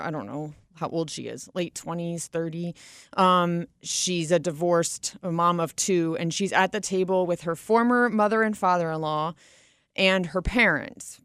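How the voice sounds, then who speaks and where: A woman's voice: fairly low pitch, clean tone, no echo, clean studio sound. A woman radio host and financial advisor talking in a chatty, casual way, laughing easily.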